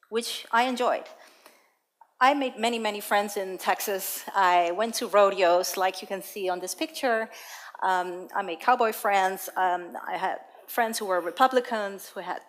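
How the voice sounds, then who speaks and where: A woman from the Netherlands speaks from a stage, telling her own experiences in a personal way. Her voice sits at an ordinary middle pitch, and she talks in a steady, prepared manner. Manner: personal, storytelling, lively anecdotes. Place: auditorium stage.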